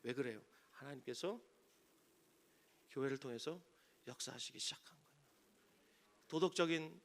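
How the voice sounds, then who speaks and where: Male pastor, higher-pitched and bright, dramatic sermon delivery with loud and hushed swings. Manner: preaching with dramatic swings from loud cries to near-whispers; acts out quoted voices in stories.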